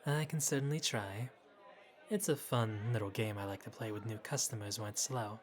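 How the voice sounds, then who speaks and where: A man's voice: on the low side, normal speed, lightly acted. A man playing a flirty, easygoing bartender who teases and chats with a patron in an audio roleplay. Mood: playful, inviting. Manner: playful, teasing, casual. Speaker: bartender character. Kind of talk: intimate audio roleplay, conversational acting.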